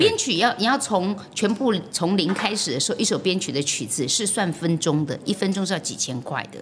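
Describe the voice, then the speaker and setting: With noticeable background noise behind her, a woman talks at a fairly quick pace. Her medium-pitched voice swings very widely in pitch. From Taiwan, Keelung. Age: 60s. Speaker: choir executive director and veteran broadcaster. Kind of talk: casual chat.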